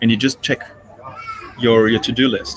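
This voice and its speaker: Against noticeable background noise, a man with a non-native accent speaks at a moderate pace. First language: not English. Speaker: software developer mentor. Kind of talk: pair-programming tutorial. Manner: halting.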